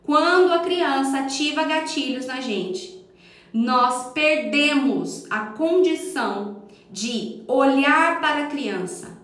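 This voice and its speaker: A woman's voice: sits high, expressive, slow pace, a bit bright. A Brazilian woman, a parenting educator, giving an earnest, emphatic live talk straight to her listeners on a phone mic. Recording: echoey room.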